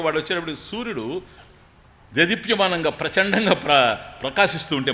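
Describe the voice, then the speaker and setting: A man, a spiritual teacher, giving a storytelling religious discourse. He chants scripture verses slowly, then explains them in everyday talk with jokes. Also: on the high side, sharp tone.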